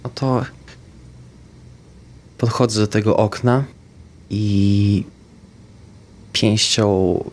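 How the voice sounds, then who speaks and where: Brief: male player in a vampire tabletop game, lowish voice, steady and deliberate. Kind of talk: describing his character's actions.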